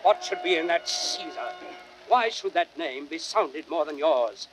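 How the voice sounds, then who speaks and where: A man's voice: on the high side, lively intonation, a little slow, over music. An actor playing a bitter, persuasive, scheming Roman nobleman in declamatory classical Shakespearean style. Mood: impassioned, persuasive. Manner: declamatory, impassioned, rhetorical. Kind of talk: classical Shakespearean radio drama acting. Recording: noisy vintage spoken-word drama record.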